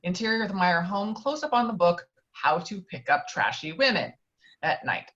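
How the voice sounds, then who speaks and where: A woman's voice: lowish voice, sing-song, moderate pace, a bit bright, lo-fi sound. A woman reading screenplay stage directions aloud as narrator of a table read.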